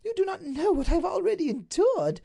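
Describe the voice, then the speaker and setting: A woman voicing an anxious aristocratic Duchess, pleading in a high, breathless voice. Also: very animated, a little fast, vocal fry, dark tone, heavily acted.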